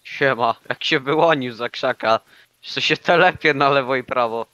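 A young man chatting casually and excitably while playing a hunting game with a friend. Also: mid-range voice, moderate pace, no echo, highs cut off. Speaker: gaming YouTuber. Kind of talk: casual co-op gameplay chat.

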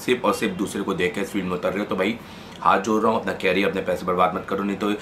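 A man's voice: sits low, little pitch movement, rapid-fire, a bit bright, a little hiss or hum. A man who teaches mobile phone repair, giving an emphatic, repetitive, colloquial promotional talk to camera, mixing in English words.

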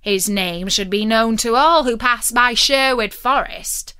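A woman's voice: a little high, measured pace, sharp tone, clean tone. A woman voicing a huge, fearless, loyal male outlaw henchman in a storybook, hearty and bold. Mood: hearty, insistent. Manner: hearty, calling out boldly.

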